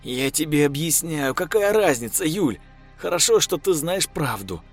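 A man's voice: a little high, lively intonation, normal speed, soft background music, voice pushed up. A man voicing a desperate young man. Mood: persuading. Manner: urgent, pleading, shouting.

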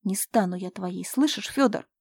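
A woman's voice: fairly high pitch, steady tone, brisk, dark tone, husky, no echo. A woman voicing a frightened young daughter, crying and pleading. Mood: desperate.

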